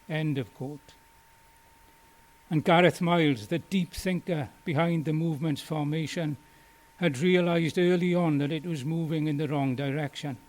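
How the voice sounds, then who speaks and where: A man in his sixties, from Wales, reads out a prepared memorial lecture. His voice sits a little high for a man. He speaks in a measured, earnest and deliberate way. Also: a little mellow.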